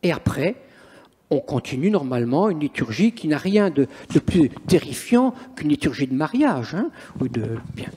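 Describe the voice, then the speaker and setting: A man's voice: fairly high pitch, big pitch swings, normal speed, dark tone, slightly rough. A man, a priest and exorcist, telling stories in an interview in an emphatic, theatrical way. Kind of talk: interview, storytelling. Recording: long reverberant room echo.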